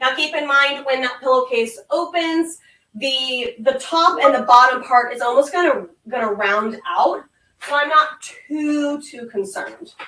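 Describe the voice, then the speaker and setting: Her voice is raised and projected, bright and sharp, with a high pitch. The woman speaks at a fairly slow pace with lively intonation. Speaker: webinar presenter demonstrating heat pressing. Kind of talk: live tutorial webinar. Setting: live webinar. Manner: casual, chatty.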